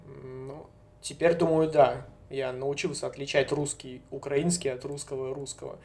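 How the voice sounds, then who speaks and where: A young man from Novosibirsk, a guest in a casual conversation, who talks in a relaxed, hedging way and chuckles often. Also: mid-range voice, normal speed, creaky. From Novosibirsk, Siberia, Russia.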